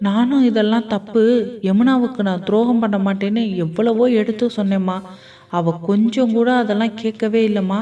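A woman storyteller voicing a middle-aged husband who makes hurried, defensive, wheedling excuses. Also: medium pitch, warm tone, close to an everyday voice. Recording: dull distant lo-fi recording.

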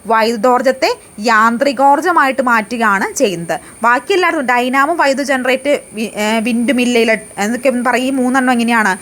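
Higher-pitched woman teaching. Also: a bit bright. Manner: asks questions then answers them, repeats key facts; frequent hesitations and restarts. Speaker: exam coaching teacher. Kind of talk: exam prep lesson.

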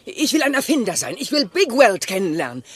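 An actor playing an eager, determined young male robot inventor, earnest and insistent, in a children's animated film. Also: mid-range voice, brisk, a little hiss or hum, natural voice.

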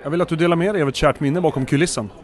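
Male podcast host, easygoing, chatty interviewer. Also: fairly high pitch. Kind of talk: casual interview.

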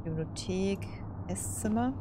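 A woman's voice: medium pitch, slow pace, background noise. A woman giving casual, chatty let's play commentary, musing aloud as she plays. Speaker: gaming host.

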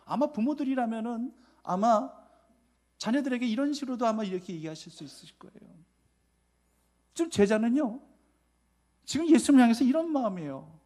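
A male pastor preaching a sermon in a lively way, acting out scenes and turning to the congregation with questions. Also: very high-pitched, fairly quick, long pauses. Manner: lively, dramatizing scenes with acted-out quotes and asides to the congregation.

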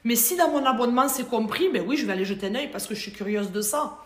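A fairly high-voiced woman from France talks shop as a hairdresser in a relaxed interview. She speaks in a chatty, animated way and laughs easily, and her voice rings in a roomy, echoey space. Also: quick pace. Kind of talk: casual interview conversation.

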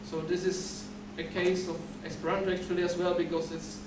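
In an echoey, dim lecture hall, a high-pitched man from the Czech Republic, Czech being his first language, presents at a conference from a podium. His explaining is steady yet halting, with repeated words and restarts. A far camera recorded the podium mic, so the sound is distant and noisy.

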